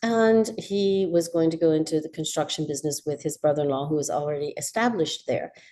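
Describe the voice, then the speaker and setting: A woman's dark, mellow voice in an American accent, fairly low in pitch with ordinary pitch variation, at a very fast pace with hardly any pauses. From US, West Virginia. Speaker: guest sharing life story. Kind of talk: interview, personal story.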